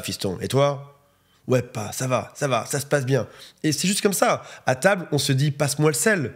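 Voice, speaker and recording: A male relationship coach giving chatty advice straight to the viewer, with joking asides. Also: fairly high pitch. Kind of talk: advice monologue to camera.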